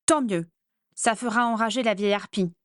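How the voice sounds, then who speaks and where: A woman's voice: medium pitch, expressive, unhurried, no room sound, studio quality, lightly acted. A woman doing a teasing proud young witch. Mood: gleeful. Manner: mocking, teasing. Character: mischievous proud teenage girl witch, teasing.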